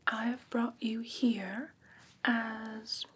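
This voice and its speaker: A woman playing a whimsical, coaxing fae creature in a breathy ASMR whisper, sweetly condescending and soothing in a halting, doting way. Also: a little high, fairly even intonation, fairly bright tone, slight background noise. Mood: matter-of-fact, whimsical. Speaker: ASMR roleplay performer. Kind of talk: whispered ASMR fantasy roleplay.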